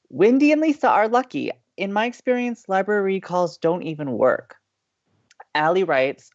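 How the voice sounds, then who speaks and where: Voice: medium pitch, no echo, dull audio. An actor playing a playful, sociable college radio co-host who banters earnestly and teasingly with theatrical emphasis. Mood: eager.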